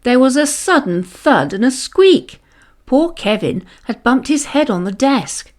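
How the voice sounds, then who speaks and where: A woman reading a children's story aloud with dramatic, expressive narration. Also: high voice. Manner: animated, dramatic, deliberate storytelling.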